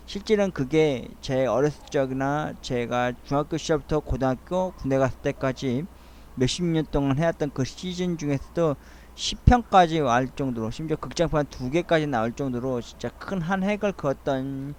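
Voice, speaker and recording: A middle-aged man rambling through a soliloquy-style audio essay, speaking in a halting, earnest and wistful way. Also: medium pitch, darkish tone, a little hiss or hum. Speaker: host of a monologue essay channel.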